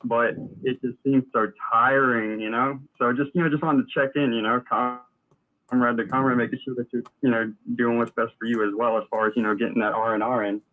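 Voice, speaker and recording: A man calling in on the phone, speaking earnestly and at a measured pace. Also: medium pitch, little pitch movement. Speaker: caller. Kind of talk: phone call-in chat. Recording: tinny phone line.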